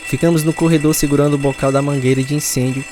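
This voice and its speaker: A man's voice: on the high side, steady tone, fast talker, natural voice. A man with a Brazilian accent playing a reflective older man telling his life story in a radio drama. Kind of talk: first-person scripted radio narration.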